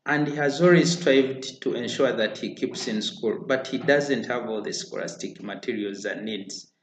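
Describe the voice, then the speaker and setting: An earnest man presents a prepared project pitch, stopping often on hesitant fillers. His voice sits at an ordinary middle pitch. The room around him adds a noticeable echo. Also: moderate pace. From Uganda. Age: 30s. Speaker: founder of a community charity. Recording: roomy echo.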